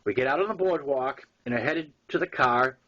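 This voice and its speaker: A man with a Boston accent reading his own story aloud in an informal way, with halting, emphatic repeats and wry asides. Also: mid-range voice, bright, forceful tone. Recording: dull lo-fi audio.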